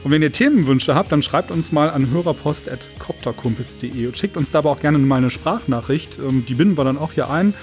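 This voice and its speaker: A man's voice: fairly high pitch, fairly quick, few pauses, faint music behind. Casual man hosting a podcast. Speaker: podcast co-host.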